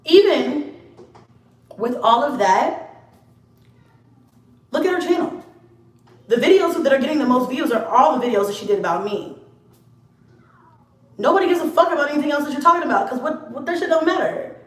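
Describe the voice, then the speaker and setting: A woman's voice: high-pitched, animated, moderate pace, long pauses. A young adult woman on her own channel, ranting bluntly and with heavy profanity straight at a rival. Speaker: YouTuber. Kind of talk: confrontational vlog rant. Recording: echoey room, mic at a distance.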